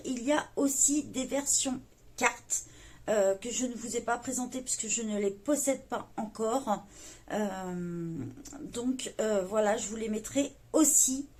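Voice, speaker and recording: A woman from France hosts her coloring channel, speaking to her viewers in a gentle, earnest tone. She often stops to search for words and fills the gaps with little hesitations. Her voice sits a touch higher than most. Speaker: YouTube coloring channel host. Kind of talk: casual video address to viewers.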